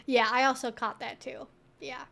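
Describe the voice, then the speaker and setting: Female streamer, high-pitched voice, informal and wry, reacting aloud to viewer messages. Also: steady tone, moderate pace, gravelly, fairly bright tone. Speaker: livestream host answering viewer chat. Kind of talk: casual livestream chat.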